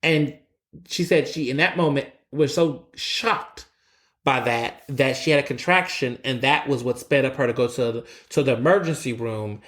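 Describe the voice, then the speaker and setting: A man's voice: mid-range voice, moderate pace. A man in his twenties hosting a solo opinion podcast, blunt and sassy, often restarting his sentences, tired after a long late night. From United States. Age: 20s. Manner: animated, sassy and blunt, with frequent restarts and stammers. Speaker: podcast host.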